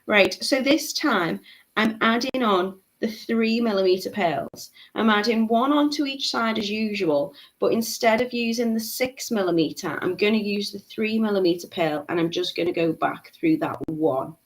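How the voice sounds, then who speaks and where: A woman's voice: medium pitch, moderate pace, poor audio. A woman, giving a live craft tutorial, chatting and laughing as she reads out viewer comments. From Liverpool, England. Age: 30s. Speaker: beading tutor.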